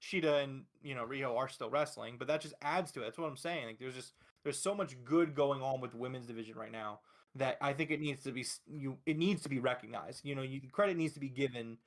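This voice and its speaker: Talking fast at a medium pitch, the podcast host goes off about wrestling. His style is casual and emphatic, with strong opinions and frequent cursing.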